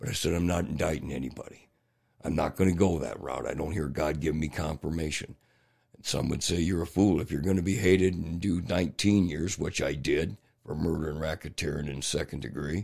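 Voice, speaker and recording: Fairly quick in pace, a man speaks with a very deep, low pitch and vocal fry. His pitch varies in an ordinary way, and the recording is very clean with a silent background. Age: 60s. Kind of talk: testimony.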